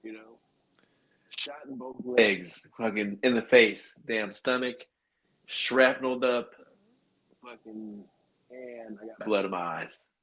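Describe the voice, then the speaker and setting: A man's voice: lowish voice, slow, pauses often, fairly bright tone, low-quality recording. Man on a remote call, audio cutting in and out. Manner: blunt, swears freely. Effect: remote call audio cutting in and out, uneven volume. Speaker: podcast co-host. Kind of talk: casual podcast chat. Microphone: remote call connection.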